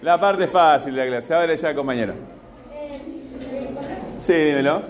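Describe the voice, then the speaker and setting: A man's voice: fairly high pitch, moderate pace, noisy background. Patient male teacher. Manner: patient, asks the class repeatedly. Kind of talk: classroom lecture with questions.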